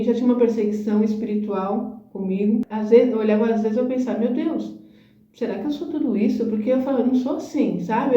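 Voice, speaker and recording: A woman's voice: medium pitch, warm tone, far from the mic. A middle-aged woman hosting a talk, telling an emotional personal testimony and often adding little tag questions. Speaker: host. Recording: roomy echo, dull lo-fi sound.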